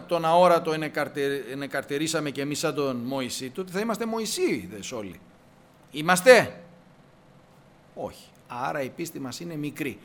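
A man preaching a sermon in Greek, telling biblical stories with acted-out dialogue and repeating words for emphasis. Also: on the high side. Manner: animated storytelling, acting out biblical dialogue.

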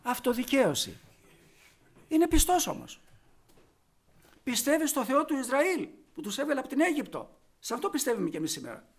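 A man preaching a sermon, fervent, rising to loud emphatic peaks. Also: very high-pitched, huge pitch swings, long pauses.

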